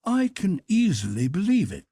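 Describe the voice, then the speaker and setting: A man's voice: high-pitched, wildly swooping pitch, normal speed, dark tone, slightly rough, no echo, clean studio sound, pitched above the performer's own voice, full character voice. A man voicing a polite, deferential, curious manservant in an audiobook. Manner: deferential, inquisitive. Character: deferential, curious male servant, higher-voiced and polite. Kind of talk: audiobook character dialogue.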